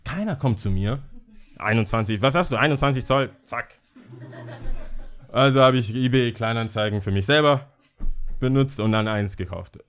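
A man's voice: mid-range voice, moderate pace, long pauses. Young guy from ghana, slight accent, twi is his first language, laughs a lot while acting out a story. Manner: animated storyteller acting out dialogue, laughing often. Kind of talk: casual storytelling chat.

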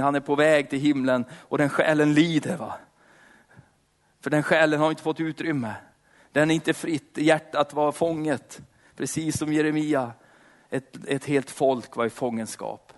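A man preaching, moving from fervent prayer that repeats "Lord" between phrases into a casual, slangy sermon full of fillers. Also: mid-range voice.

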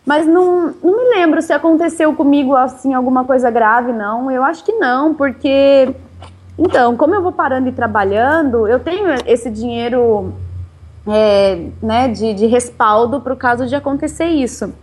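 A woman, chatting casually about her bike travels in an interview, relaxed and quick to laugh. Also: high-pitched, husky. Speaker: interviewee, touring cyclist.

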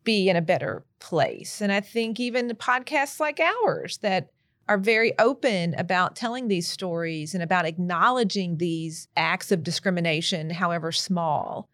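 A woman's voice: lowish voice, lively intonation, normal speed, a bit bright, no echo, clean studio sound. A woman hosting a podcast, responding to a colleague in a supportive, reflective way. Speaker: podcast host. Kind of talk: podcast conversation.

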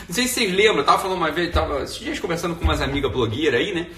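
A bright, fast-talking man with a Brazilian Portuguese accent, pitched a bit above typical for a man, rambles animatedly through a home live stream. He sits well back from the mic in an echoey room, using slang and tagging sentences with "né."

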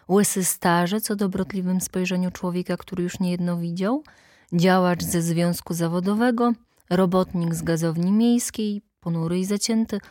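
A woman reading a literary story in measured, scripted narration. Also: on the low side, a little mellow, dry recording, studio quality. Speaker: audiobook reader.

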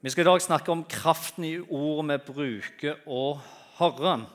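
A man preaching a sermon in a church, telling humorous stories in an animated way and swinging between loud and quiet. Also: on the high side. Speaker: guest preacher.

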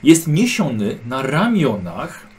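Mężczyzna prowadzący sesję RPG jako mistrz gry, luźno opowiadający i często wtrącający „słuchajcie”. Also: male voice, medium pitch, big pitch swings, slow pace. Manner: loose, with frequent "słuchajcie" and filler "e". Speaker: game master. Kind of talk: narrating a tabletop game.

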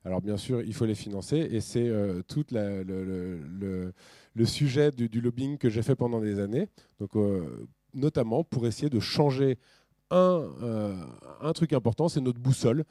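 This man speaks at a conference with slides, in a loose, conversational way full of restarts and wry asides. His voice sounds warm and mellow. It is recorded dry and close, with no room sound. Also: medium pitch, normal speed, no room sound. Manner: casual, animated, with many fillers and restarts; colloquial and ironic asides. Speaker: speaker at a business talk.

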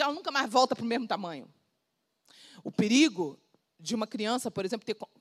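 A woman pastor with a Brazilian Portuguese accent drives home her points through emphatic repetition. Her high, bright voice leaps around with lively swings in pitch. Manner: emphatic, repetitive, animated preaching. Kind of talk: sermon.

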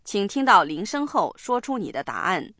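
A woman hosting a radio language lesson, explaining slowly and spelling words out one letter at a time. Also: medium pitch, big pitch swings, fairly bright tone, no room sound. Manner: slow, deliberate explaining and spelling. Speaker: language program host. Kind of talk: bilingual lesson narration.

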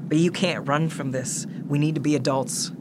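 A man playing an earnest, gently wry grieving son in a naturalistic audio drama. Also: a little high, fairly even intonation, normal speed, noisy background, close to an everyday voice. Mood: earnest, concerned.

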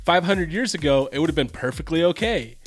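A man's voice: fairly high pitch, expressive, a little fast, faint music behind. A man co-hosting a casual podcast chat, laughing easily and often trailing off mid-thought. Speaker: podcast co-host.

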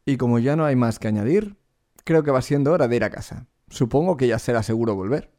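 A man with an ordinary middle-pitched voice leads a singing lesson. He explains each point clearly and speaks straight to the learner. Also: animated, fast talker, heavy background noise. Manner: clear explanatory teaching, addresses the learner directly. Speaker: vocal coach.

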